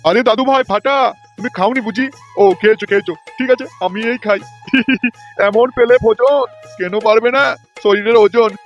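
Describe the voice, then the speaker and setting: A man's voice: high-pitched, moderate pace, lo-fi sound, faint music behind, lightly acted. A man voicing a gluttonous, self-satisfied old grandfather in a comedy cartoon. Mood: greedy, gloating.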